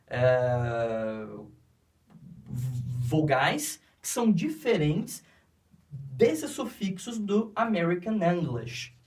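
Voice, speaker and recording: A man teaching English to Brazilian students in a classroom, explaining slowly and often checking in with "ok?". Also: a little high, darkish tone, distant mic. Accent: Brazilian Portuguese. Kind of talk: classroom lecture.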